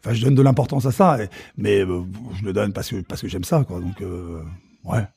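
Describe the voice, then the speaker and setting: A middle-aged chef from the Paris suburbs, with the accent to match, recalls his youth while being interviewed about his career. His casual talk is hesitant, full of fillers and restarts. His voice is fairly low, gravelly, mellow, and husky.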